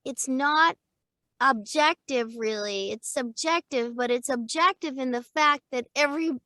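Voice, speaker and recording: A chatty middle-aged woman with a fairly high voice talks about coaching actors, lively and quick to laugh. The sound is close and dry, with no room behind it. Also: no echo. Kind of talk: casual interview chat.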